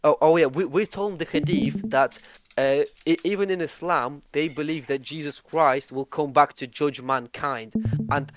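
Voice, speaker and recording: A man's voice: on the high side, moderate pace, dull audio, slight background noise. A man from Russia, host of a Christian debate group, talking eagerly in a casual voice chat with many restarts and fillers.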